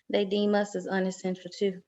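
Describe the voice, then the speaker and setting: A woman playing a reserved, polite expectant mother who is quietly wary, in a screenplay table read. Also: mid-range voice, dull audio, lightly acted. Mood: guarded, polite.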